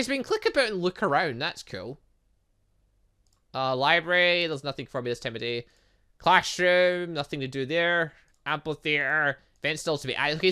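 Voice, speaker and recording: Gaming host for a let's play: bright voice, lively swings in pitch, reads on-screen text with jokey asides. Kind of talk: let's play commentary, reading game dialogue aloud.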